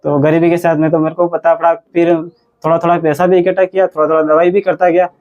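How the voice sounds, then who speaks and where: A young man in his twenties talks through his story as a patient in a casual interview. His voice sits a little high and stays flat in pitch, and his sentences wander and restart. The recording sounds dull and lo-fi. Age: 20s. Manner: rambling, halting, with frequent restarts. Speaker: patient giving a testimonial.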